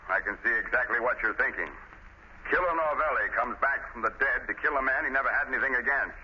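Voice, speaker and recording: A man acts a gruff police commissioner in a vintage radio drama. He is brusque, skeptical and short on patience, at a medium male pitch. The recording is dull and lightly noisy. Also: fast, lightly acted. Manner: brusque, dismissive. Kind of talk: 1930s radio drama acting.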